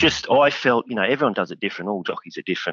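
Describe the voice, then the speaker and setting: This is a man speaking with an Australian accent. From Australia, Northern Territory (Alice Springs). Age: 40s. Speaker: jockey. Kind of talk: interview. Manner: halting, many fillers.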